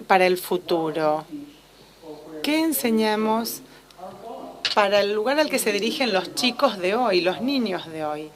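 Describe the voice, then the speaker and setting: A woman working as a simultaneous interpreter, rendering a lecture in a steady, fluent delivery with occasional restarts. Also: mid-range voice.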